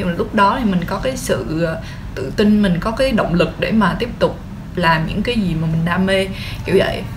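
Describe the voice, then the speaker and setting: In a room with audible echo and noticeable background noise, a woman talks at a fairly quick pace, medium pitch and ordinary pitch variation. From Vietnam. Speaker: vlogger, exchange student. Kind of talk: casual vlog talk. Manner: halting, many fillers.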